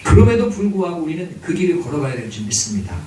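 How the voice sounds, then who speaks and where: A man's voice: a little high, very animated, fast talker, darkish tone. A male pastor preaching a sermon, emphatic, with exclamations and rhetorical questions. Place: church sanctuary. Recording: very echoey church hall, distant mic, hiss.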